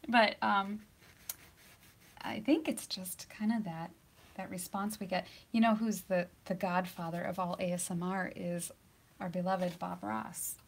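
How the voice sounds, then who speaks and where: A woman's voice: lowish voice, level tone, measured pace, vocal fry, breathy edge. Chatty woman painting instructor. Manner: chatty, laughs often, drops to soft near-whispers while working. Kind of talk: live painting demonstration. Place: painting studio surrounded by lights and cameras.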